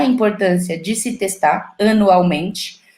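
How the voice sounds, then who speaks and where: Medium in pitch, a woman's voice comes through somewhat breathy. She speaks at a fairly slow pace. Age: 30s. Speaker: podcast guest living with HIV. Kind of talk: personal testimony and health explanation in a podcast interview. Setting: podcast studio with cameras. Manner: casual, conversational.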